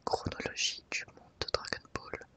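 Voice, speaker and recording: A woman presenting an ASMR video in a soft, breathy whisper, with gentle, unhurried and careful phrasing. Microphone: microphone set slightly off to the side.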